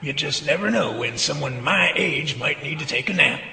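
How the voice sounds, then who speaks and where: A man's voice: fairly high pitch, lively intonation, normal speed, creaky, sharp tone, soft background music, full character voice. A man acting a sarcastic, folksy, proud old man in an amateur radio drama. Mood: mock frail sarcasm. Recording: roomy, echoing home recording with reverb.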